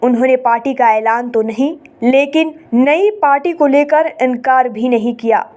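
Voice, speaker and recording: Woman anchor reading headlines, high voice, brisk formal news read. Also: a little mellow. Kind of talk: scripted news bulletin reading.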